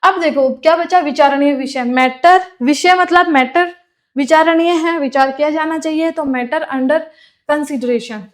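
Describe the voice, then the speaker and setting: Speaking in a high-pitched, unhurried way, a woman delivers a classroom lecture for a clerk exam. She explains terms through repetition and asks questions only to answer them herself.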